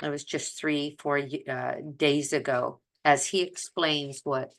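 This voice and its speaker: Speaking slowly in a low, steady voice, a woman comments on listed quotes as a health vlogger promoting plant-based eating. Her tone is informal, earnest and emphatic.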